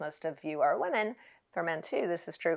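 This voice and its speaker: A woman speaks at a fairly quick pace in a fairly low pitch with ordinary pitch variation and a plain, everyday voice. The recording is very clean, with a silent background. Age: 50s. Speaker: gynecologist and podcast host. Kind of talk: casual interview chat.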